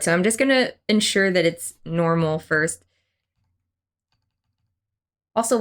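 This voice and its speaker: A woman's voice: fairly high pitch, sharp tone. A young woman chatting casually on a game stream, rambling through a story and reading chat aloud. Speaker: livestreamer.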